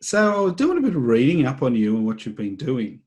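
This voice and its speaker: A man's voice: medium pitch, big pitch swings, fairly quick, a little mellow. A man hosting an interview podcast, asking questions in a friendly, easygoing way. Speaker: podcast host.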